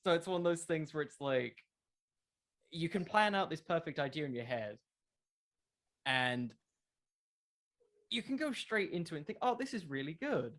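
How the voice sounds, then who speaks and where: A man's voice: on the high side, big pitch swings, normal speed, long pauses, a bit bright. A young man talking casually as an interview guest, explaining things earnestly in a rambling way. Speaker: interview guest, wrestling content creator.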